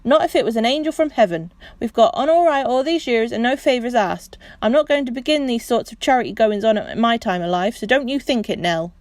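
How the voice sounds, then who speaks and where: A woman putting on a stubborn, prideful working man who won't take charity, blunt and loud, shouting his words out. Rough dialect, dry close storybook reading. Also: fairly high pitch, animated, a little fast, few pauses, dry recording, close to an everyday voice. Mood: indignant. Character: proud, gruff working man, angry and stubborn.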